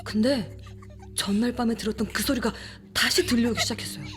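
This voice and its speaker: A woman playing a frightened young woman who recounts a ghost story in a hushed, confiding, suspenseful way. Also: on the high side, fairly quick, over loud music, lightly acted. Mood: uneasy suspense. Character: frightened young woman recounting her haunted rented room. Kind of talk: dramatic first-person horror audiobook narration.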